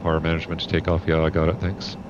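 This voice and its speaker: Low-voiced guy on a pilot headset mic, muffled, loud aircraft drone behind, calm checklist talk. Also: racing, background noise. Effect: pilot talking through a cockpit headset mic. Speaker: flight sim streamer playing pilot. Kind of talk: cockpit checklist callouts and casual commentary.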